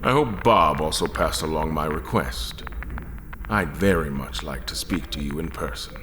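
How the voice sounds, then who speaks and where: A man playing a grave, determined admiral in an audio horror drama, speaking in a measured, formal, solemn way. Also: a bass voice, background noise. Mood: courteous, firm. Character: Admiral Beckett, grave, determined father trapped in haunted manor. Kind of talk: audio horror drama, first-person narration.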